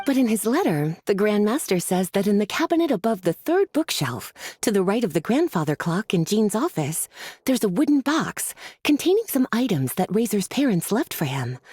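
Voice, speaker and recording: A woman voicing a relaxed adult woman mage who teases fondly, in a video game. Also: medium pitch, breathy edge. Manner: languid, affectionately teasing. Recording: game audio with faint music.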